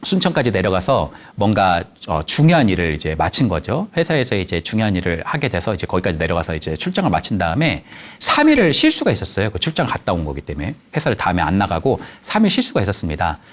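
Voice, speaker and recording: 생동감 있게 이야기하는 남성 강연자. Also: male voice, low-pitched, quick pace, few pauses. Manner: animated storytelling, acting out quoted voices. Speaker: counselor and lecturer. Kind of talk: lecture with acted anecdotes. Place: lecture studio.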